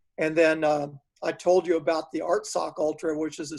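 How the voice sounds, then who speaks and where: A man talks in an American accent. His pitch sits high for a man. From Ohio, US Midwest. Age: 70s. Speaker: ultrarunner and retired running coach. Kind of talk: interview.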